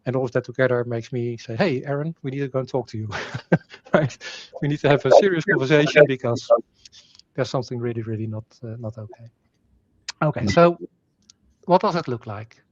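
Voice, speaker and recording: A man's voice: medium pitch, dry recording. Dutch man explaining, dry dull sound. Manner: explanatory, frequent fillers and restarts, rhetorical questions. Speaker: presenter. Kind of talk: technical presentation.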